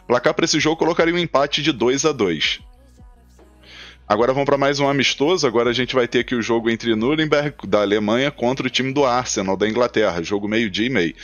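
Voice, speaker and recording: Young man, Brazilian accent, rapid chatty stats rundown, dry slightly muffled webcam sound. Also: medium pitch, no echo. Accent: Brazilian Portuguese. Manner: frequent tag questions, steady rundown of stats and picks. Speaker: football betting tipster. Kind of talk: casual match-preview commentary. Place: small indoor room.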